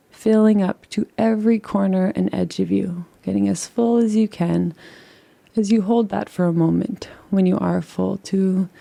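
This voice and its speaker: A woman leading a guided relaxation meditation in a soothing, unhurried, gently instructive way. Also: mid-range voice, gravelly.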